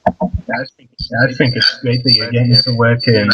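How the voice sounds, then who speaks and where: A man hosting a podcast and asking interview questions in an even, flat delivery. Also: medium pitch, normal speed, a little hiss or hum, poor audio.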